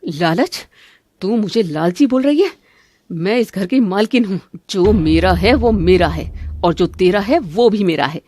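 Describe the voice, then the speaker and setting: A greedy, bossy mother-in-law in a family cartoon, scolding and plotting revenge in a lively, swinging voice, as a woman plays her. She grumbles and mutters schemes under her breath. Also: mid-range voice, measured pace, no echo, studio quality. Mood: vengeful. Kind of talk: animated cartoon voice acting.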